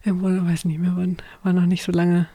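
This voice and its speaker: A woman with a somewhat low voice, talking casually as a co-host. She chats along with frequent filler pauses and light laughs. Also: little pitch movement, mellow, slightly rough. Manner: chatty, many filler pauses, laughs easily. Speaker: podcast co-host. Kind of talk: casual chat about a documentary.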